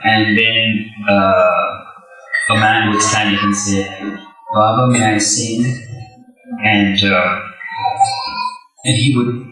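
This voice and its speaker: A man on a panel telling stories, hesitant with many pauses and chuckles, recorded from a distance in a hall. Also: lowish voice, fairly even intonation. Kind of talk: storytelling on a panel. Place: hall at a gathering. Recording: echoey distant archival hall recording with faint music.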